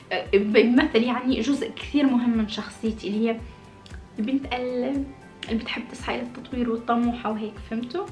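The slightly high-voiced woman, in her late twenties, is having a casual chat in a small room with red curtains, responding expressively to viewer questions. The room sounds echoey.

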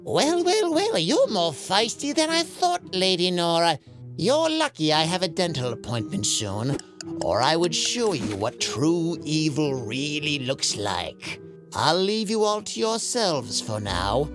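Woman doing a mocking evil old wizard, storybook villain, swooping and slow. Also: deep voice, big pitch swings, over music. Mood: sneering. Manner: haughty, sneering, theatrical.

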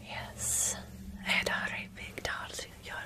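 A woman in her thirties playing a motherly, protective vampire mentor in a soothing, breathy whispered ASMR roleplay, with formal phrasing. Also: measured pace, close to an everyday voice. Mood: soothing, reassuring.

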